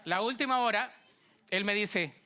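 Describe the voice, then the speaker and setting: A man's voice: high-pitched, measured pace, bright, forceful tone, some chatter behind. A Colombian man preaching a sermon in church, telling a story and acting out its dialogue. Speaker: pastor.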